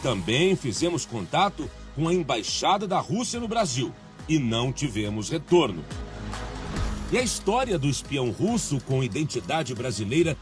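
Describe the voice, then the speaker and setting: A man with a Brazilian Portuguese accent, a TV news reporter giving scripted narration in a measured, emphatic delivery. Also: medium pitch, very animated, music in the background.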